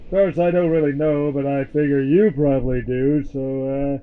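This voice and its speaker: An actor playing a big, sweet, naive man who talks haltingly and bashfully in a comedy audio drama. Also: mid-range voice, little pitch movement, clear, resonant tone, lightly acted. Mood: hopeful, shy. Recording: tinny muffled voice, as through wall.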